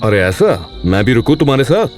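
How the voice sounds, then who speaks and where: A man acting a confident, skeptical leader of an investigation team in an animated story. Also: medium pitch, brisk, music in the background, lightly acted. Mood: dismissive, breezy.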